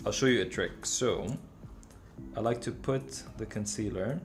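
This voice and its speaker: A man working as a makeup artist, talking through a makeup routine in a relaxed, chatty way and correcting himself now and then. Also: on the low side, a little hiss or hum. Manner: relaxed, chatty, with quick self-corrections and light laughs.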